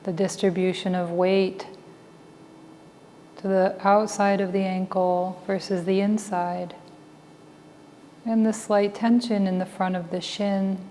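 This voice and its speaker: Slow, soft-toned woman guiding meditation in reverb. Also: mid-range voice. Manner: calm, deliberate, with long pauses between short phrases. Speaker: meditation teacher and Buddhist chaplain. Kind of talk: guided meditation instruction. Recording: reverberant hall with faint background noise.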